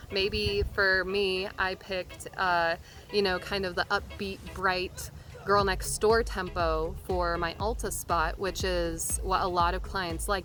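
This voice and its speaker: A woman giving an informal, step-by-step how-to tutorial in the manner of a voice actor teaching beginners. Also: on the low side. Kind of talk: explanatory how-to tutorial talk. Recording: music behind the voice. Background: background music.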